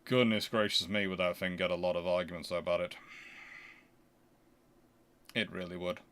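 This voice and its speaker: A man's voice: low voice, fairly even intonation, normal speed, fairly bright tone, clear, resonant tone. A man hosting a casual question-and-answer stream, talking in an emphatic, argumentative, conversational way. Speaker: host answering viewer questions.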